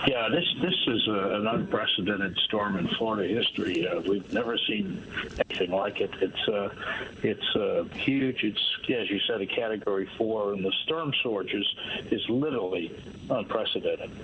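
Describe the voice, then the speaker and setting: A man answering in a live news interview as a politician, halting and measured. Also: fairly low pitch, noisy background. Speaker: congressman interviewee.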